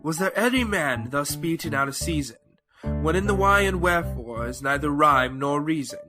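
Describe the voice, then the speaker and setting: A man's voice: a little high, expressive, moderate pace, music in the background, lightly acted. A man playing a haughty Shakespeare-quoting suspect. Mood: theatrical. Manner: archaic stagey diction, mocking. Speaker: bombing suspect claiming to be Tybalt. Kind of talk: full-cast audio drama.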